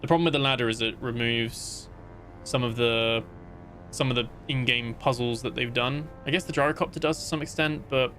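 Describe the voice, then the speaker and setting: With faint music playing behind him, a male streamer rambles through casual gameplay chat, restarting often and leaning on fillers. He speaks at a normal speed in a steady, medium-pitched voice that sounds pushed and bright.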